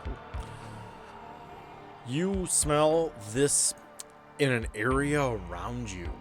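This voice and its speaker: A man's voice: medium pitch, big pitch swings, extremely slow, faint music behind. A man narrating a tabletop roleplaying game as game master, with joking asides.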